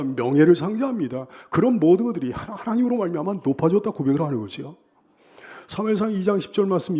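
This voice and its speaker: A man's voice: a little high, mellow, breathy edge. A middle-aged male pastor preaching a sermon, restating his points and building to emphatic bursts. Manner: repeats and restates phrases.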